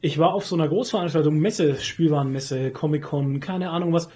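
A man's voice: on the high side, brisk, warm tone. A man chatting casually and jokingly as a podcast co-host, using coarse slang.

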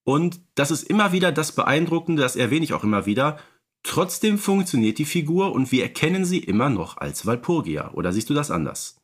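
A man's voice: a little high, very animated, a little fast. A man co-hosting a podcast, chatting casually with frequent hesitations. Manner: hesitant, many "äh" fillers, chatty. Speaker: podcast co-host. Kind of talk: casual podcast chat about radio plays.

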